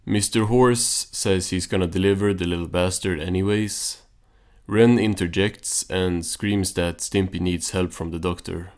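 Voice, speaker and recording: Male recap narrator, low register, casual and understated, dry commentary delivery. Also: steady tone, measured pace. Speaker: video reviewer and narrator.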